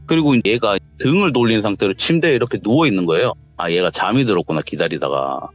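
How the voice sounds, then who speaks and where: A man's voice: lowish voice, fast talker. A man casually telling a true ghost story, acting out the voices in the dialogue he recounts. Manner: animated, acts out the voices in quoted dialogue. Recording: dull lo-fi audio with faint background music.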